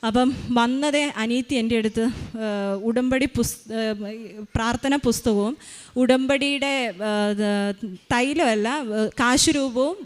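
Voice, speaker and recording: A woman telling a personal testimony about her child, hurrying along with many fillers and restarts. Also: fairly high pitch. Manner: hurried, with frequent fillers and restarts. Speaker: mother giving a testimony.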